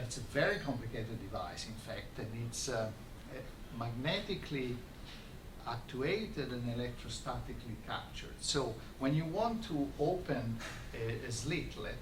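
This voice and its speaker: A man's voice: mid-range voice, expressive. Man lecturing in an echoey room, far off. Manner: halting, explanatory delivery with repeated words. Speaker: visiting scientist giving a colloquium lecture. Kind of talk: academic lecture with slides. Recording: roomy, noisy lecture recording from far off.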